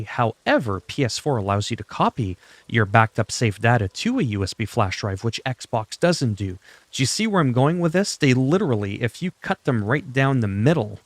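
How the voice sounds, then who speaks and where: A man's voice: mid-range voice, no echo. A man whose first language is French, chatting casually with viewers on a gaming livestream, opinionated and talkative. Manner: chatty, opinionated, talks to chat. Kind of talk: casual livestream chat while playing.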